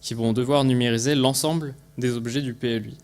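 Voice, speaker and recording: A man's voice: medium pitch, steady tone, quick pace. A man with an accent from France presents a technical project at a conference, often restarting phrases and repeating words. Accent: French from France.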